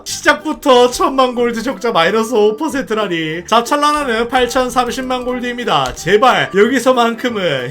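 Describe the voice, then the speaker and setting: Excitable high-voiced woman gaming. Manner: excitable, chatty, cheers and laughs at results. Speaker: game streamer. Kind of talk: casual gameplay commentary.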